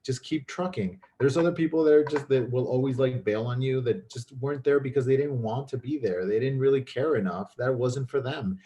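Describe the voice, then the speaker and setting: A Mexican-raised filmmaker whose first language is Spanish joins a casual chat as a guest. His medium-pitched voice is warm, and he speaks thoughtfully, often restarting sentences and using fillers.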